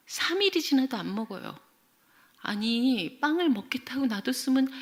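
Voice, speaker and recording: A middle-aged woman professor giving a church lecture, telling stories expressively and often dropping to a near whisper. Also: fairly high pitch. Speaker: Christian education professor lecturing. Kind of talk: church lecture with acted anecdotes.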